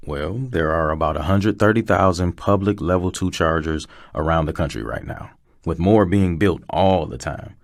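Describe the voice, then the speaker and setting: Low-pitched man acting as a car technician, knowledgeable, patient, scripted conversational explainer, dry close sound. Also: moderate pace, vocal fry, no echo. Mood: explaining, assured. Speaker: voice actor in a promotional dialogue.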